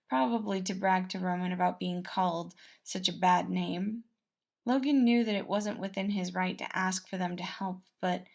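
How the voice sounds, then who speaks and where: Woman narrating a story, medium pitch. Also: creaky. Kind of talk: storytelling narration of fan fiction.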